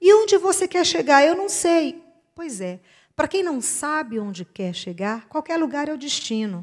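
Over a quiet background, a woman talks at a moderate pace. Her high voice makes very wide pitch swings. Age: 50s. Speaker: psychologist and lecturer; lecturer. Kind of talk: lecture. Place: hall. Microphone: handheld.

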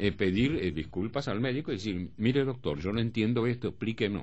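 This man talks at a fairly quick pace in a fairly low pitch with lively intonation. It is a normal speaking voice. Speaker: radio host and announcer. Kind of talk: radio interview. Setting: radio studio.

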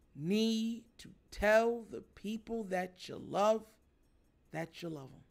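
A man talks at a very slow pace. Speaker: show host. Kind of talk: podcast commentary. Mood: solemn, reflective. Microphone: studio mic.

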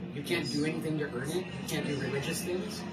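A man speaking over background music. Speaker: street evangelist. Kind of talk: gospel explanation to a listener. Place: bar. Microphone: phone near.

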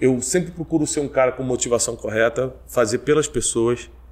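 This is a man speaking. His voice has vocal fry. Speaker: theologian and best-selling author; podcast guest. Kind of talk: casual interview chat. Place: studio. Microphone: studio mic.

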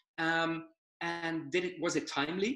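A man's voice carries audible room echo against a quiet background. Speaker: keynote speaker. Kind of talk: keynote talk. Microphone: video call.

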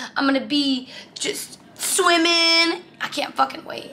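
The voice is raised and projected, with fairly even intonation. Light background noise can be heard. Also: woman. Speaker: vlogger. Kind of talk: casual vlog chat. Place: home room. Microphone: phone near.

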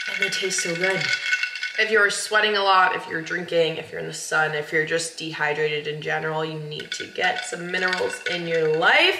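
A woman speaks fairly quickly, her pitch varying in an ordinary way, with noticeable noise in the background. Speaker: lifestyle vlogger. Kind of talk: casual vlog chat, sponsor read. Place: kitchen. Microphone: camera far.

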